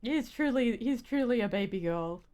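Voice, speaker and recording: A young woman giving casual live game commentary, rambling and halting, with slangy phrasing. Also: fairly high pitch, expressive, darkish tone. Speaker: game streamer.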